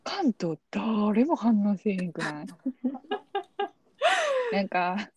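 A woman's voice: medium pitch, huge pitch swings, very slow, a little mellow. A young woman with a Kansai accent, chatting casually and telling anecdotes on a podcast. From Osaka, Japan. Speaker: podcast co-host. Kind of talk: casual chat.

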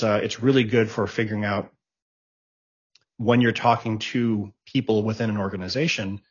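A man's voice: lowish voice, husky, highs cut off. A middle-aged man in a casual interview, a rambling storyteller who restarts and repeats words as he goes. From raised abroad, born in Japan, raised in Germany. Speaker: interview guest, tech professional.

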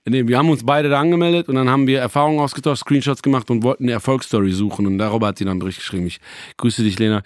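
A man in his thirties talks in a loose, rambling way, full of fillers and restarts, with joking asides. His pitch sits at an ordinary middle level. The sound is dry and close, with no room around it. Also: very fast, dry recording. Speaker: hip-hop journalist. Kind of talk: casual chat.

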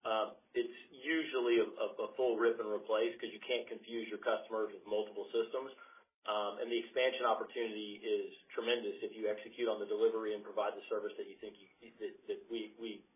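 Exec guy on an earnings call, kinda low voice, repeats words, sounds like a phone. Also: little pitch movement, a little fast. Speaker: company executive. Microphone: conference call line. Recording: muffled phone-band conference call.

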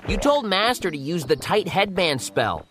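A woman's voice: on the low side, big pitch swings, normal speed, fairly bright tone, slight background noise, pitched below the performer's own voice. A woman voicing a proud, hot-tempered male monkey king in a storybook reading, speaking firmly. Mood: scornful.

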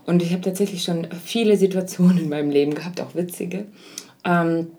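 A woman's voice: on the low side, brisk, mellow. A young woman from Kazakhstan co-hosting a podcast, chatting casually with many fillers and frequent laughs. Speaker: podcast co-host.

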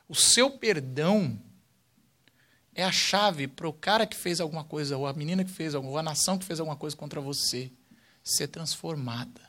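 A young man from Brazil preaching a sermon with animated swings between loud, excited stretches and quiet, hushed ones. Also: a little high. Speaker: pastor.

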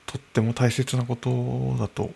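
A man in his early thirties talking alone into a microphone in his room, slow and musing, with soft laughs. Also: medium pitch, little pitch movement, gravelly, husky. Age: early 30s. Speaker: podcast host. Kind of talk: unscripted solo podcast talk. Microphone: podcast microphone.

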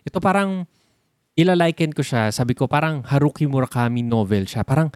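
A young man with a Filipino accent, co-hosting a casual chat about films. He explains in an animated way and uses sound words to make his examples. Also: medium pitch, a little fast, no room sound, clean studio sound.

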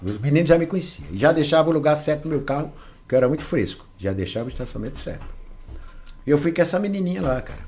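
A man spins bawdy tales as a podcast guest, putting on the voices of everyone in them. His voice sits a little high and leaps up and down. He talks with boisterous, crude gusto. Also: lively intonation, rapid-fire, darkish tone, a little hiss or hum. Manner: crude, boisterous, acts out dialogue. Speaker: guest storyteller. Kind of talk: casual podcast storytelling.

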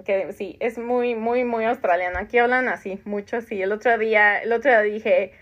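A woman's voice: a little high, steady tone, normal speed, muffled recording. Chatty Mexican woman, laughs a lot. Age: 30s. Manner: chatty, laughs often, reads comments aloud. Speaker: podcast host. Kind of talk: casual chat reading listener comments.

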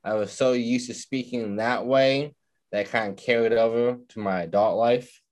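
A man's voice: mid-range voice, steady tone, normal speed. A man with a speech impediment, answering as a podcast guest in casual conversation.

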